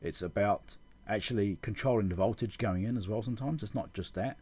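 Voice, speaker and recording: Husky, mellow low-voiced man explaining casually. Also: fairly quick. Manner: informal, explanatory, thinking aloud. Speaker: electronics repair video host. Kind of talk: casual technical tutorial over schematics.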